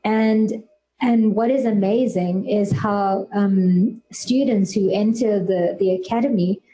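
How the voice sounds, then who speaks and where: Woman, soft-edged mellow tone, mid-range pitch, thoughtful panel speaker, deliberate phrasing, unscripted remarks. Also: poor audio. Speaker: panelist at a public discussion.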